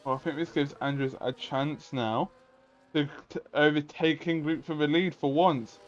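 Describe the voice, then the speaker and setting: A man works as a motorsport commentator, calling a race play-by-play in a fairly high voice. He follows each move and poses rhetorical questions as he goes. The audio is slightly dull and lo-fi. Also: steady tone, moderate pace. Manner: running play-by-play calls mixed with rhetorical questions.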